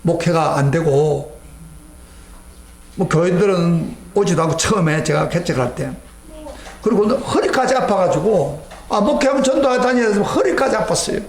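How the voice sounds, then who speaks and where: A middle-aged man preaching a sermon as pastor, telling stories emphatically and acting out his own prayers, his voice sweeping from near shouts down to low asides. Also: animated, normal speed, reverberant. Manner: sweeping pitch, rising near a shout then dropping low. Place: church sanctuary.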